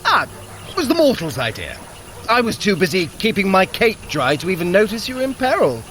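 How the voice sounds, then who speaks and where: An actor playing a sly, vain, sardonic Norse trickster god in an audio adventure drama, with a theatrical, arch delivery. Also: male voice, high voice, huge pitch swings, brisk, a bit bright, slight background noise, full character voice. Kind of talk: audio adventure drama acting for a fitness running app.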